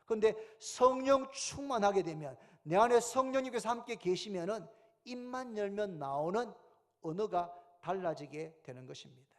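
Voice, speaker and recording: High-voiced Gyeongsang pastor preaching. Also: male voice, expressive, normal speed. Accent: Gyeongsang Korean. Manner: swings from loud emphatic calls to hushed, whispered asides. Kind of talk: sermon. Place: church sanctuary.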